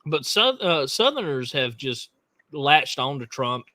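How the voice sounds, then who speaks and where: A man from Mississippi talks with a Southern accent in a casual podcast chat. His voice sits a bit high and sounds bright and forceful. He rambles with fiery energy and stumbles over repeated words. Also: sing-song, measured pace. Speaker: podcast co-host.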